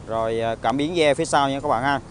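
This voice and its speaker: A man with a southern Vietnamese accent giving an informal used car salesman's walkaround pitch, halting often with hesitations and tag words. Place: outdoor car lot, partly inside a car. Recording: outdoor phone recording with traffic ambience.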